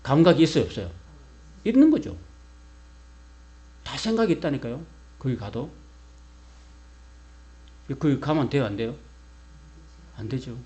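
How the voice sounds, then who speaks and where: A man's voice: mid-range voice, big pitch swings, measured pace, pauses often, dark tone. A man preaching a sermon from the pulpit. He peppers the congregation with questions and answers them himself. A faint electrical hum runs under his voice. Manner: leads a call-and-response with the congregation. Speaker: pastor.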